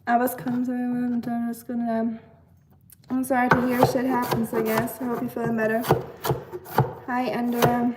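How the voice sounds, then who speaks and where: A woman's voice: a little high, completely flat delivery, unhurried, very noisy. A young woman with a German accent from the Black Forest, hosting a live stream and chatting casually with viewers while she cooks, with many ums and likes. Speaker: livestream host. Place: home kitchen in the US.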